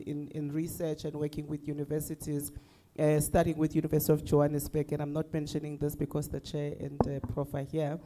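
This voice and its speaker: A woman's voice: low-pitched, mellow. A woman presenting at a conference panel, speaking hesitantly with frequent restarts and fillers.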